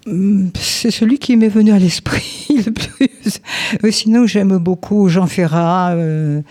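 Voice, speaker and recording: An older woman living in a nursing home, answering interview questions gently with many pauses and fillers. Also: mid-range voice.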